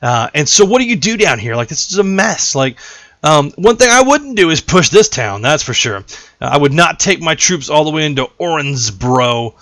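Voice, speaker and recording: A man hosts a casual gameplay tutorial in a fairly high voice with lively swings in pitch. He rambles and jokes as he explains. The sound is dry and close on a desktop mic. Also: moderate pace, no room sound. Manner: animated, rambling, jokey asides. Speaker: gaming channel host.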